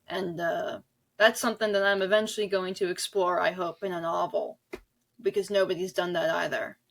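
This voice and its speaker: A woman's voice: lowish voice, fairly even intonation, normal speed, gravelly, fairly bright tone. A woman guest in a conversational podcast interview, talking in an earnest, emphatic, rambling way. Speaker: interview guest, author and audio drama director.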